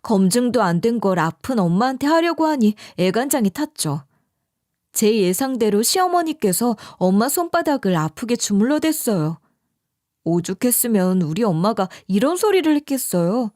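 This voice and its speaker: A woman narrating a scripted first-person story with plenty of feeling. Her voice sits slightly high and moves a lot, recorded dry and close with no room sound. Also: normal speed, no echo. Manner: expressive, emotional storytelling.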